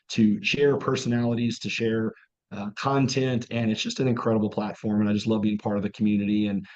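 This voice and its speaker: A hoarse man, a mindset coach, talking as a guest in an upbeat, fluent way. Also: on the low side, a little mellow, dull audio. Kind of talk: casual interview chat.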